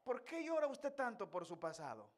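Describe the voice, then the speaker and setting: A male pastor giving a sermon in a church, moving from chatty asides to loud, impassioned preaching. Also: very high-pitched, wildly swooping pitch, normal speed.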